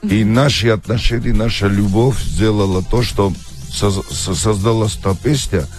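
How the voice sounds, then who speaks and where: A man guest in a radio studio interview, speaking earnestly and warmly about his work, often stumbling over his words. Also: fairly low pitch, measured pace, faint music behind. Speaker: guest singer.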